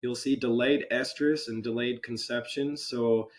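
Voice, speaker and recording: A man with a voice still hoarse from a cold, giving a webinar presentation over a computer microphone in a relaxed, unpolished way with frequent ums and uhs. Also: medium pitch, measured pace. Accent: American. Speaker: extension presenter. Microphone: computer microphone on a video call.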